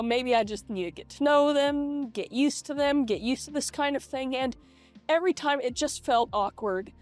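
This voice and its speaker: A middle-aged woman talking casually to her vlog audience through a voice changer, reflective and halting, with repeated false starts. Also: sits high. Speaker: vlogger. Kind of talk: casual personal vlog monologue. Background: lo-fi video game music.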